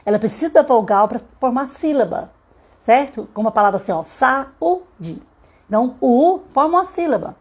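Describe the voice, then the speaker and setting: A woman with a Brazilian Portuguese accent, a literacy teacher giving a live online lesson to mothers. She talks to them directly and slows down to sound out words syllable by syllable. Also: a little high, lively intonation, darkish tone, husky.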